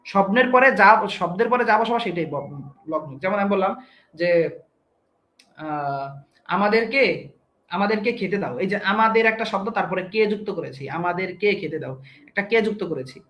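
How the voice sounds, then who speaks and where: A man's voice: sits high, fairly bright tone, roomy sound. A young man teaching an online grammar class, explaining step by step and quizzing his students.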